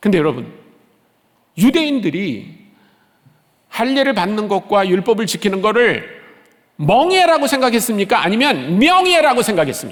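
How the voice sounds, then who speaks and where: A man talks at a high pitch with very wide pitch swings and long, frequent pauses. Audible echo fills the room. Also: moderate pace. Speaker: missionary preacher. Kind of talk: sermon.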